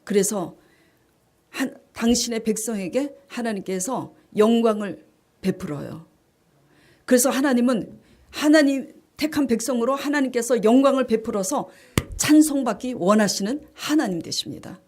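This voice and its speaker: A woman's voice: a little high, lively intonation. Woman pastor preaching, calling out questions. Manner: asks the congregation questions and answers them; reads scripture aloud in a hushed, slower voice. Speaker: senior pastor. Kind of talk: sermon.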